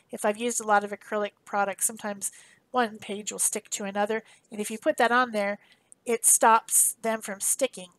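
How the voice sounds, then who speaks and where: A woman's voice: on the high side, no room sound. A woman giving a casual, chatty voice-over for a craft demonstration, explaining informally as she goes. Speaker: craft tutorial host.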